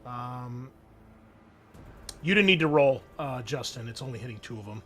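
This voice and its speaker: A man's voice: medium pitch, animated, moderate pace, a bit bright. A man acting as game master, talking players through rules and dice results in a casual way. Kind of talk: running a tabletop game, casual rules talk. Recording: background music under the voice. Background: music.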